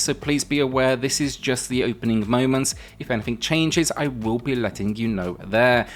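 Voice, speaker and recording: A man presenting a video game review in a conversational but scripted narration, speaking in measured phrases with emphatic openings to his sentences. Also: mid-range voice. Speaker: game reviewer, channel host. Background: music.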